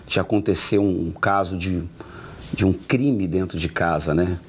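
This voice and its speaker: A man's voice: deep voice, a little slow, breathy edge. A man hosting a TV studio interview, asking long questions with repeated tag questions. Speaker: TV interview host.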